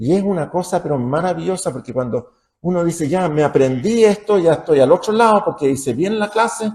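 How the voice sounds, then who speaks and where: With a high pitch and lively intonation, a man talks at a fairly quick pace. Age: 80s+. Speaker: preacher. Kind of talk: sermon.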